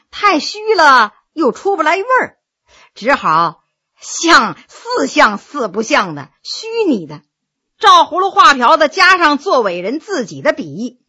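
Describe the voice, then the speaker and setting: An obsequious, self-assured court official from a historical tale, voiced by a woman. He sounds bright and high, with exclamatory, knowing delivery that moves freely up and down. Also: exaggerated voice. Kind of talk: dramatized storytelling.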